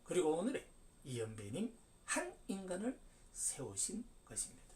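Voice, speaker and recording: This septuagenarian preacher declaims a forceful religious lecture at a moderate pace, his slightly high voice swinging hugely in pitch with abrupt rises and falls. The mic sits at a distance.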